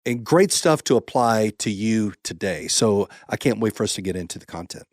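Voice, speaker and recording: Upbeat pastor co-hosting a podcast. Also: male voice, fairly low pitch, animated, moderate pace, a little mellow, no room sound, clean studio sound. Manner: upbeat and enthusiastic. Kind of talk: casual podcast chat.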